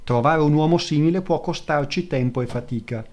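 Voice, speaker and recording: A man reading aloud as a courtly, persuasive male court painter who speaks slowly and flatteringly. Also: on the high side, natural voice. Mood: measured. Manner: slow, smooth and flattering.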